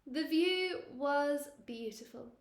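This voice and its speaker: A woman reads a children's picture book aloud like a teacher at storytime, expressive and playful. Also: high-pitched, slow pace, echoey room. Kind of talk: animated children's storytime reading.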